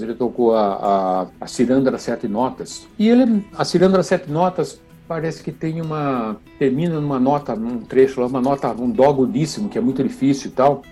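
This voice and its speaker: An older man speaks in a dark, mellow voice with a husky edge. He tells stories in an animated way and keeps tagging his phrases with "né?". Faint music sits behind him. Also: medium pitch. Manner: animated, frequent "né?" tags. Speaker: chamber musician. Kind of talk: storytelling interview.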